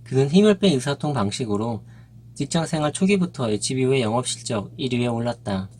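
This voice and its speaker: A man narrating a nonfiction book in an even, measured reading voice. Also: medium pitch. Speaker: audiobook narrator.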